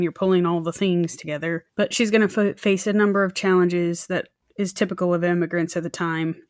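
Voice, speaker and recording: A woman's voice: on the low side, dry recording, studio quality. A woman co-hosting a true crime podcast, telling the story in a chatty, informal way with wry, joking asides. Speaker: podcast co-host presenting the case.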